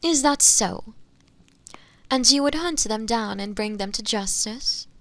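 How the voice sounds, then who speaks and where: A woman playing an imprisoned witch in an audio roleplay, seductive, teasing and obsessive, sometimes hushed as she speaks to the listener. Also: a little high, no echo. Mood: probing. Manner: slow, teasing, hushed at times, with pet names. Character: imprisoned witch, seductive, obsessive yandere, bitter toward inquisitors.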